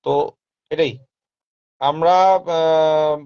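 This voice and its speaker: A man's voice: fairly high pitch, little pitch movement, extremely slow, darkish tone, clear, resonant tone. A man talking casually and insistently, repeating his points and dropping in English phrases. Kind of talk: casual live talk. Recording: dull lo-fi sound.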